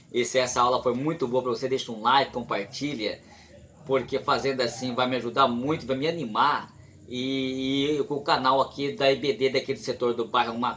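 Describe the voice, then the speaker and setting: A man's bright, sharp tone and fairly high pitch come at a moderate pace. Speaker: Bible school teacher. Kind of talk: lecture. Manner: halting.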